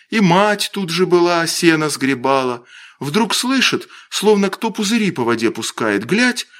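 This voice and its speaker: A man's voice: fairly high pitch, fairly bright tone, pitched above the performer's own voice. A man voicing an earnest, wistful village boy who tells folk tales in an eager, lilting way.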